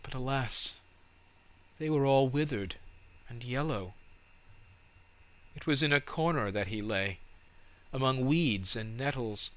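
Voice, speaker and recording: A man narrating a storybook in a measured, dramatic and expressive way. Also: mid-range voice. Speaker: audiobook narrator.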